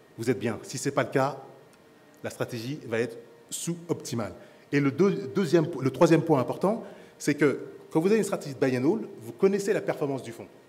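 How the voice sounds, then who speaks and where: Speaking at a fairly quick pace, a man with a fairly high pitch uses lively intonation and a somewhat breathy voice, his loudness swinging widely between long, frequent pauses. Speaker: portfolio manager, master class speaker. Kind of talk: lecture. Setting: conference hall with audience. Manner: hesitant, many fillers and repetitions.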